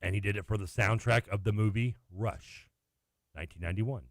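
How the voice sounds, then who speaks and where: A man's voice: fairly low pitch, fairly quick, dry recording, clean studio sound. A man co-hosting a sports radio show, joking about himself and laughing often. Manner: excitable, self-mocking, laughs often. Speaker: radio co-host. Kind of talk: casual radio banter. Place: radio studio. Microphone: studio microphone.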